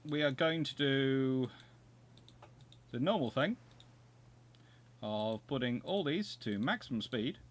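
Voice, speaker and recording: Playing a naval strategy game live, a man with a Surrey English accent hosts a chatty, jokey stream, often restarting as he thinks aloud. His mid-range voice is animated, and he takes his time with long pauses.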